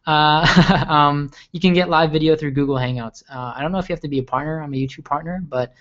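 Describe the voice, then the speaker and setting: A young man from Okinawa, Japan, hosts a live tech stream, answering viewer questions eagerly and ramblingly with frequent repeated words. His fairly high voice is steady and a bit bright, moving at a quick pace. The livestream audio is lo-fi.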